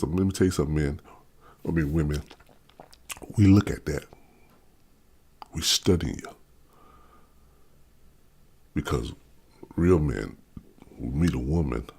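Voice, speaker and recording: A man's voice: a bass voice, unhurried, vocal fry, long pauses, darkish tone, husky. A man about fifty with a DC-area accent, ranting bluntly to camera and stumbling over restarts in an unscripted vlog. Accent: Maryland / Washington DC area. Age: 50s. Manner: blunt, repetitive, stammers on restarts. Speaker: vlogger. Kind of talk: unscripted opinion rant.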